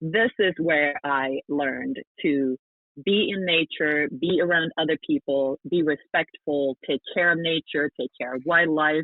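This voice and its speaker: Speaking at a fairly slow pace, a woman with a Swedish accent has a very deep, low pitch. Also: ordinary pitch variation. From Sweden. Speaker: entrepreneur and coach. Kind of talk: interview. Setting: phone call.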